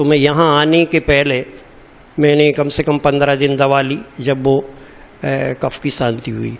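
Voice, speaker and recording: A man's fairly high voice comes through with noticeable background noise. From Madhya Pradesh, India (Pipariya, Hoshangabad). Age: 60s. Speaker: teacher, diet camp participant. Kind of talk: testimony. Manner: halting.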